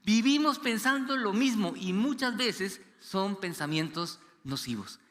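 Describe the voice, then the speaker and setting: A man preaching a sermon as pastor, animated, acting out quoted voices and dropping low and quiet for serious stories. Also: measured pace. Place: church hall. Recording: long church reverb.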